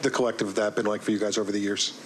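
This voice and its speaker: A man's voice: on the low side, steady tone, rapid-fire, background noise. A man, a reporter, asks a long question at a press conference and keeps rephrasing and stumbling over it.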